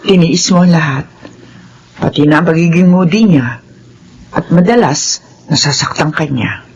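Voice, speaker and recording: An actress playing a wealthy mother who speaks calmly and thanks her family's maid in a TV drama. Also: deep voice, dull audio, a little hiss or hum. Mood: earnest. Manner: calm, measured speech. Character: wealthy employer mother, humble and grateful. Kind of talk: TV drama acting.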